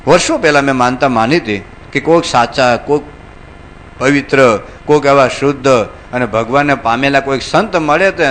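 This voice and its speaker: A male monk preacher giving a storytelling sermon, animated and acting out the characters. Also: on the high side, slight background noise.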